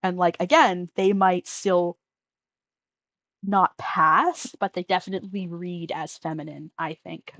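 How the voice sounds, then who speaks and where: A trans man hosting a casual call-in show, talking in a rambling way with many restarts and trailing off quietly. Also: high-pitched, fairly even intonation, unhurried, creaky, no room sound. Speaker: podcast host taking call-ins. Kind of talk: casual conversational chat.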